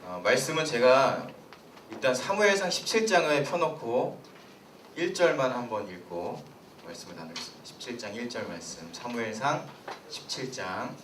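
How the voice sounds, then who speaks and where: A young man, a pastor, giving a sermon to a youth congregation in a lively storytelling way and putting questions to the listeners. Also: medium pitch, normal speed, noisy background. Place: church hall. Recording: roomy hall, voice from a distance.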